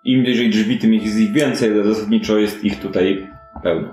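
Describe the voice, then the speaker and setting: Male game master, deeper voice, conversational descriptive narration over music. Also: fairly even intonation, normal speed, darkish tone. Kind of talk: improvised tabletop game narration. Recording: roomy echo, faint music.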